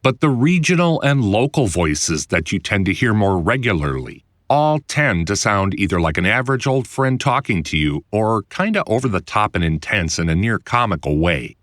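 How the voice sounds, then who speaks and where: A man reading his own instructional audiobook in a conversational, clearly enunciated way, like a voiceover producer explaining the trade. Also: fairly low pitch, big pitch swings, normal speed, few pauses, a bit bright, no room sound, clean studio sound. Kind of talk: scripted instructional narration.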